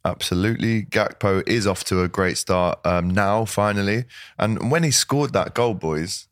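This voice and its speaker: Hoarse man hosting fan banter. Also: fairly low pitch, moderate pace, no echo, studio quality. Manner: excitable, banter-filled. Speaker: host. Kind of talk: casual fan podcast chat, reading viewer comments.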